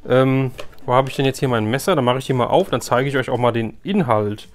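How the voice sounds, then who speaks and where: A man's voice: mid-range voice, fairly quick. A man doing a casual unboxing commentary for viewers, thinking aloud informally and giving frank opinions. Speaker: YouTube host unboxing products.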